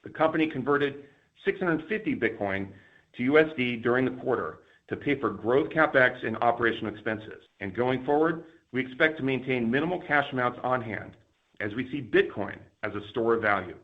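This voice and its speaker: A man giving a scripted, formal and measured financial presentation as a company executive on an earnings call. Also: medium pitch, lively intonation. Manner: formal, measured corporate delivery. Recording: dull, lo-fi conference call audio.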